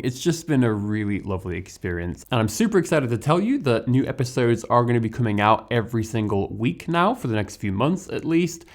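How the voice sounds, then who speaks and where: A young man with a lowish voice hosts a podcast, musing aloud in a chatty, reflective way and often restarting his sentences. He is recorded close to the mic in a dry, dead-sounding space. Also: no room sound. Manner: reflective, chatty, lots of fillers and self-corrections. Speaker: podcast host. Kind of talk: relaxed podcast monologue.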